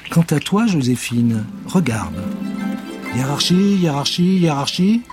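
A man's voice: fairly high pitch, animated, takes it slowly, music in the background, pitched above the performer's own voice. A man voicing a polite, bumbling good-hearted witch who keeps chanting spells, in a storybook reading.

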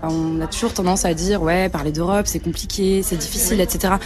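A woman's voice: lowish voice, steady tone, fast, over music. A woman, explaining her views earnestly in an interview. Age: 20s. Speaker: interviewee, association vice-president. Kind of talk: recorded interview.

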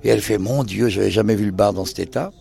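A man's voice: fairly low pitch, quick pace, gravelly, dark tone, husky. An older man who owns a bar, telling anecdotes in casual conversation. He acts out the dialogue he quotes and hesitates often. He speaks indoors in his bar lounge. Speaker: bar owner.

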